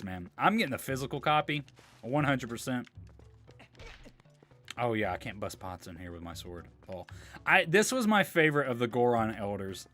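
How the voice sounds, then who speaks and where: Live streaming a video game, a man with a medium-pitched, somewhat bright voice chats with viewers and gives casual commentary. His talk is slangy, informal and sprinkled with swearing.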